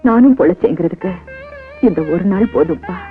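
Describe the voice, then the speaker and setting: A woman's voice: fairly low pitch, expressive, a little fast, narrow, tinny audio, faint music behind, lightly acted. A woman playing a remorseful, emotional elder sister. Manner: heartfelt, emotional pleading. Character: older sister figure, remorseful bootlegger woman. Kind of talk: 1990s Tamil film acting.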